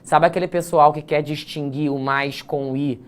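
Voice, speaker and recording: A man teaching an online essay-writing class, joking at his own slips, drawing words out slowly to show how they are pronounced, and checking in with the class often. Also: a little high, steady tone, smooth. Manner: playful, self-mocking, frequent "tá?" check-ins; stretches words slowly to demonstrate pronunciation.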